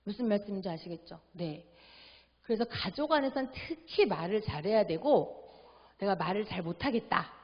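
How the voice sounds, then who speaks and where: A middle-aged woman giving a church family seminar talk. She acts out family dialogue in a lively way and keeps asking the audience to agree. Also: mid-range voice, moderate pace. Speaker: seminar lecturer. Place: church hall. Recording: echoey hall, dull audio.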